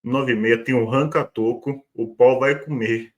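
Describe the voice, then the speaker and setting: A man's voice: mid-range voice, steady tone, measured pace. A man giving his frank, repetitive opinions in casual pre-match football talk. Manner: opinionated, repeats himself. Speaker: fan channel pundit.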